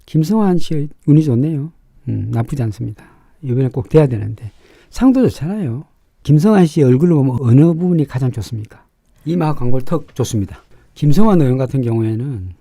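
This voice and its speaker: A middle-aged man with a slightly raspy, sharp-edged voice, explaining things informally and emphatically as an opinionated fortune-telling show host. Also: medium pitch, dry recording. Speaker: fortune-teller and face reader hosting a show.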